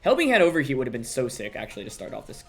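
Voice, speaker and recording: Talking very fast, a young man commentates live on his own competitive game, reasoning aloud and doubting each play. His voice leaps about with animated pitch, recorded on a desk mic with faint music underneath.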